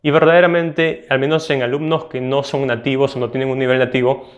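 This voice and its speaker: A man with a Latin American Spanish accent teaching a test-prep video lesson, explaining clearly and emphatically and checking in with "ok?". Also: medium pitch, little pitch movement, brisk, highs cut off.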